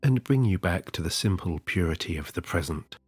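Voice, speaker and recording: A man leading a guided sleep hypnosis session, talking softly and slowly with long pauses. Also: low-pitched, lively intonation, breathy edge, dry recording. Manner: soft, slow and soothing, with long pauses. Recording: dry close studio voice over soft music.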